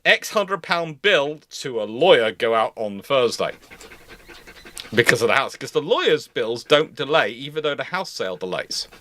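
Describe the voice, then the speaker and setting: A man's voice: medium pitch, big pitch swings, normal speed, fairly bright tone, slight background noise. A man chatting casually as a livestream host, rambling and venting with exasperation.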